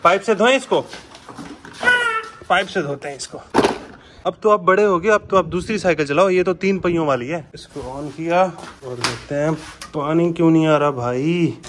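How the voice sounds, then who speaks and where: High-voiced man teasing kids outdoors. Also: moderate pace. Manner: playful, teasing, coaxing. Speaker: vlogger. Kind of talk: casual vlog with children. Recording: noisy outdoor camera audio.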